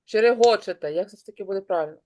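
A woman teaching an online class, brisk and encouraging, calling on pupils by name. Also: medium pitch, darkish tone, dull audio.

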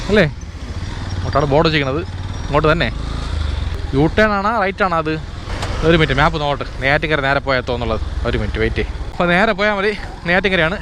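A man with a slightly high voice and a Trivandrum Malayalam accent talks quickly over clear vehicle and outdoor noise. He gives casual, chatty commentary from a bike ride, dropping English words into his Malayalam. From Kerala, India. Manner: chatty, repetitive exclamations. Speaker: motorbike vlogger. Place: outdoors on a moving motorbike. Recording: noisy outdoor recording with traffic and engine.

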